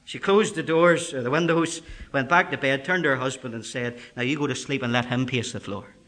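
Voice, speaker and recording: Impassioned preacher, bright voice. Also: male voice, medium pitch, fairly quick. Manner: impassioned, rising to loud emphatic peaks then dropping soft. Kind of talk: sermon.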